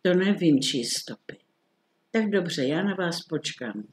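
A man's voice: fairly high pitch, lightly acted. A man reading as a jittery, insistent townsman. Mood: agitated. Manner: excited, trembling, insistent. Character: nervous, agitated middle-aged townsman.

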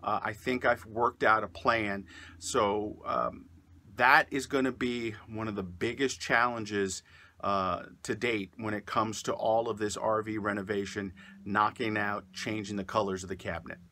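A man's voice: on the low side, measured pace. A man in his forties talking casually to the camera inside a parked motorhome, with lots of "uh" fillers, recorded on a close camera mic. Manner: relaxed, many "uh" fillers, upbeat sign-off. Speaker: vlogger. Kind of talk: casual vlog talk to camera. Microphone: camera mic at close range.

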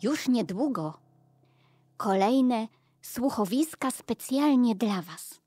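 Slow-paced woman storyteller. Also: a little high, expressive, warm tone, soft background music. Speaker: storyteller narrator. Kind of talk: narration for a children's audio play.

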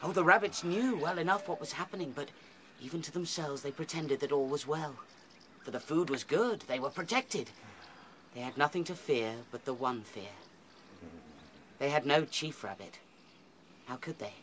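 A man's voice: on the high side, lively intonation, normal speed, a bit bright, slight background noise. A British man playing a small, intense, insistent rabbit seer in a radio drama. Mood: grave, bitter.

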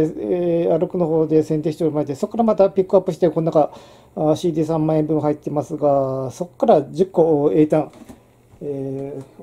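A woman's voice: deep voice, dark tone. A middle-aged woman, hosting a casual handwriting lesson and rambling with many fillers and restarts. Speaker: channel host.

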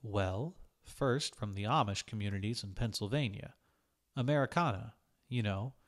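A man's voice: lowish voice, moderate pace, natural voice. A man voicing a feisty young woman cook in a story, pert and defiant. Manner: pert, sassy.

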